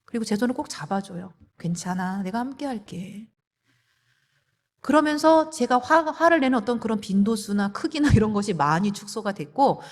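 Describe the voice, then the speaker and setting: A woman counselor shares a personal story at a church marriage seminar. Her voice is somewhat high and lively, with frequent soft asides. The sound rings in a reverberant hall.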